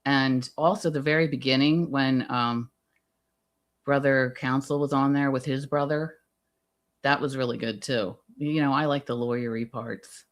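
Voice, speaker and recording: A woman with an extremely low, deep voice talks in loose, casual livestream chat. She is chatty and agreeable and jumps in quickly. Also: steady tone. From Guatemala.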